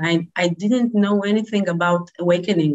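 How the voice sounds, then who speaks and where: A woman speaks with an Israeli accent. Her pitch varies in an ordinary way. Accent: Israeli, non-native English. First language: Hebrew. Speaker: filmmaker. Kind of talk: interview about spiritual awakening. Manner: halting.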